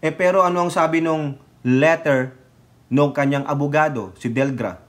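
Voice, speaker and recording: A man's voice: a little high, moderate pace. A man with a Filipino accent giving political commentary on a vlog, emphatic and scolding, switching between Tagalog and English. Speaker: political vlogger.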